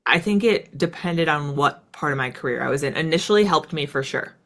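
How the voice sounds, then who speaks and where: With a deep, expressive, fairly bright voice and a brisk pace, an American woman recounts her experiences as a former military fighter pilot. The interview feels casual and reflective, and "like" and "right" come up again and again.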